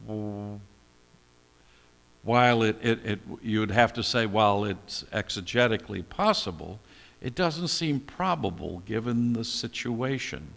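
In a hall with long reverb, an older pastor teaches a Bible passage conversationally, answering the questions he raises. His fairly low, creaky voice is expressive and a bit bright, moving at a measured pace.

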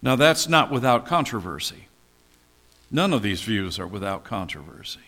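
Faint music plays behind an older pastor whose fairly low, sing-song voice sounds pushed and bright at a normal pace. He talks through a Bible passage conversationally, asking himself questions and answering them, all in a long hall reverb.

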